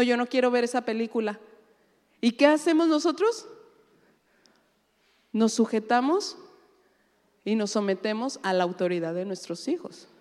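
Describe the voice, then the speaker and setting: A woman's voice: on the high side, darkish tone, long reverb tail. A woman pastor giving a conversational sermon to her congregation, full of rhetorical questions. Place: church.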